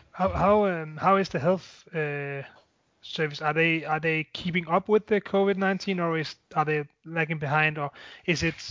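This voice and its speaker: With a Danish accent, a man speaks at a fairly high pitch, moderate pace and fairly even intonation. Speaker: podcast host, journalist. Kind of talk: interview. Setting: phone call.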